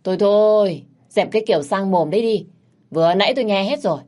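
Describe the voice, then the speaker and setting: A woman voicing a rude young male taxi driver who talks back bluntly and mockingly, in a low voice. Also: animated, moderate pace, husky. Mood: contemptuous.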